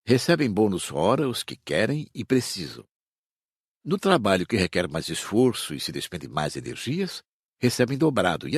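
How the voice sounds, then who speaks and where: A man's voice: fairly low pitch, breathy edge, no room sound, studio quality, exaggerated voice. A Brazilian man playing an earnest spirit teacher, explaining with emphasis in an audiobook dialogue. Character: earnest male spirit teacher, admiring and instructive.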